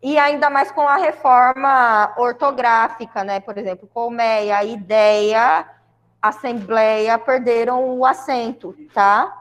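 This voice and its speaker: High-voiced Brazilian teacher in a reverberant classroom. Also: female voice, steady tone, slow pace. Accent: Brazilian Portuguese. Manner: explains step by step, checks in with "tá?" often. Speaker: school Portuguese teacher. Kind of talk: classroom grammar lesson.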